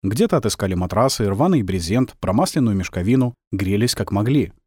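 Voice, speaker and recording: Мужчина читает аудиокнигу, рассказывая выразительно. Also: male voice, fairly low pitch, a little fast, breathy edge, no echo, studio quality. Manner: expressive storytelling. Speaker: audiobook narrator. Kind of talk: audiobook narration.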